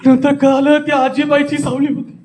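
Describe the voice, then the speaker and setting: A high-pitched, spooked teller of an eerie tale, acted by a man. Phrases are repeated to build suspense, as though the fright is still fresh. The delivery is theatrical, made for a live demonstration. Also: monotone, normal speed, background noise. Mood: fearful, suspenseful. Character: spooked storyteller recalling something terrifying in an old house.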